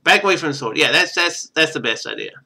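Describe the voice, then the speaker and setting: A man's voice: fairly high pitch, lively intonation, fast talker, gravelly, pushed and bright, slightly rough. A man streaming a game, reading its text aloud and adding casual, wry asides.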